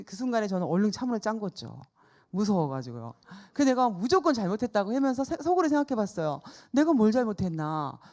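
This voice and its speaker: A middle-aged woman evangelist with a medium-pitched voice preaches at a church service through a personal story. She tells it in a lively way, acting out the voices of the people in it.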